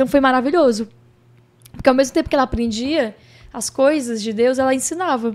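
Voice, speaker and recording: A woman's high-pitched voice, with long, frequent pauses. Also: ordinary pitch variation, fairly quick pace. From Brazil, Fortaleza, Ceará. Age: 20s. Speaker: consecrated virgin. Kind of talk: interview.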